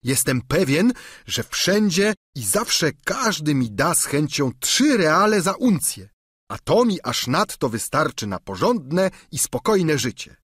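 A man's voice: fairly high pitch, very animated, slow pace, fairly bright tone, breathy edge, no echo, clean studio sound, pitched above the performer's own voice, full character voice. Man doing an eager peasant squire. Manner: eager, pleading. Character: simple peasant squire, eager and plain-spoken. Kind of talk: audiobook character reading.

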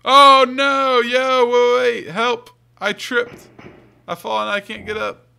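A man voicing a clumsy, excitable young monster in a video game, hesitant and slangy, stammering as he goes. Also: very high-pitched, takes it slowly, creaky, clean tone, voice pushed up, heavily acted. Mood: panicked. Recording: game music behind the voice.

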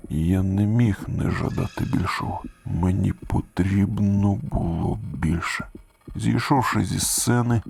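Low gravelly man reading a spooky first-person tale, hushed, soft music behind. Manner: hushed, drops into whispers. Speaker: horror story narrator. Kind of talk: scripted first-person narration. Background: faint music.

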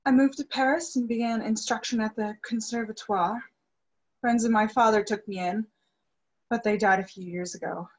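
A woman's voice: on the high side, fairly even intonation, moderate pace, highs cut off. A young woman acting an earnest, grieving young soprano devoted to her father in a dramatic play reading. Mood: wistful, sad. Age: young adult. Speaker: actress in a virtual staged reading. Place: indoor room, video call. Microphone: video call microphone.

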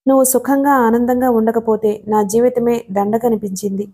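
A woman reading the lines of a devoted young husband, gentle and quietly pleading. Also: on the high side, steady tone, normal speed, husky. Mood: tender.

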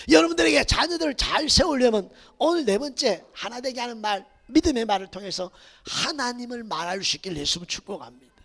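Impassioned pastor. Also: male voice, extremely high pitch, vocal fry, breathy edge. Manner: swings between loud shouted exhortation and hushed near-whispers, repeated hallelujahs. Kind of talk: Sunday sermon. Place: church sanctuary. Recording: reverberant church hall.

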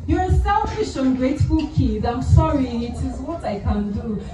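A young woman, possibly with a Nigerian English accent, performing spoken word poetry into a handheld mic in a lounge, soft and measured, building to emphatic lines. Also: high-pitched, sing-song. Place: small lounge venue, indoors. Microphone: handheld mic, filmed by phone from the audience. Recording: roomy, distant, loud music behind.

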